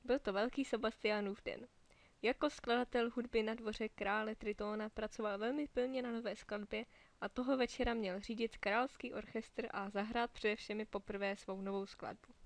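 A woman reading a children's story aloud in a gentle, clear storytelling manner. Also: a little high, steady tone. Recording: dry close mic over soft music.

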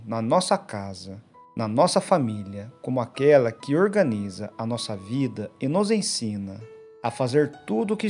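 A man reading the daily gospel and a short reflection in a solemn, measured liturgical manner. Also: mid-range voice. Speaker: gospel reader and preacher. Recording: soft instrumental music behind.

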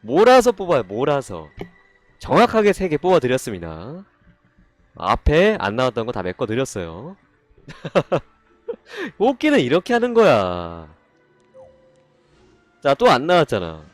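A man doing casual live-stream commentary on game gacha pulls, excitable, swinging from calm explaining to loud exasperated outbursts. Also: mid-range voice, unhurried, pauses often, no room sound, faint music behind.

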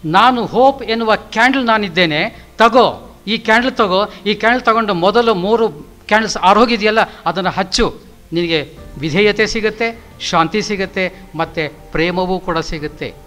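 A man voicing a gentle candle named Hope that soothes and reassures a crying little girl in a storybook tale. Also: sits high, moderate pace, soft background music. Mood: encouraging.

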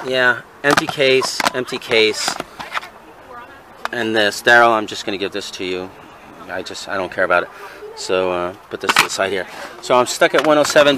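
Outdoors next to a van, a man films his flea market haul first-person on a handheld camera, mumbling and hesitating as he counts aloud what he spent, full of fillers. He's a flea market vendor and vlogger narrating casually, his medium-pitched voice at normal speed amid heavy noise.

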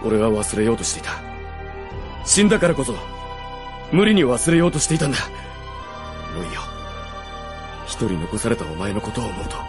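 An actor playing a gruff, proud undead warrior and brooding older brother in a Japanese radio drama. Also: male voice, medium pitch, close to an everyday voice. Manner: brooding, rough-spoken, heartfelt.

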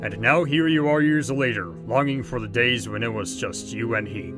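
A man plays a stern male spirit guide in an audio drama. He speaks formally and with authority, quick to sound exasperated. Music plays clearly behind him. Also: mid-range voice, natural voice. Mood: solemn. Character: stern, impatient male ghost of Christmas past. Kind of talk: fan audio drama acting.

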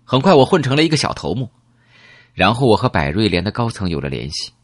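A cold, scheming young gang boss, voiced by a male narrator confesses his plot quickly in an audiobook. His low, husky voice sounds close and dry. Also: sing-song, dry recording. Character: ruthless young man, gang leader, scheming.

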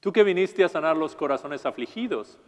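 A man in his forties, a priest leading Mass in a large stone chapel, praying in a measured, solemn way. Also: on the high side, lively intonation, lo-fi sound. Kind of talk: liturgical prayer at Mass. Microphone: lapel mic. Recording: long reverb of a stone chapel.

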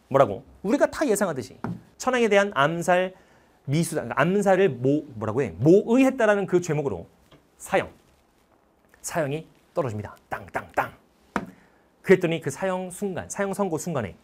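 A male history teacher giving a lively lecture that retells a film, a dramatic storyteller who quizzes his listeners with questions. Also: on the high side.

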